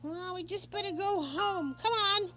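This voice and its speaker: Very high boy voice, excitable, swooping, slow, music underneath. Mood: upset. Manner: excitable, exclaiming. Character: excitable young boy hero, quick to anger.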